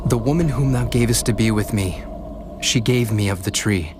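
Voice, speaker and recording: A man's voice: lowish voice, moderate pace, noisy background, lightly acted. An actor playing the humble, earnest first man in a dramatized scripture production, speaking solemnly and with measure. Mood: ashamed.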